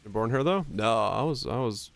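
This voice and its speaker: Smooth-voiced Finnish man chatting while gaming. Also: fairly low pitch, normal speed. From Finland. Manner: relaxed, answers chat questions, laughs easily. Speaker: streamer. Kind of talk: casual chat with viewers while gaming.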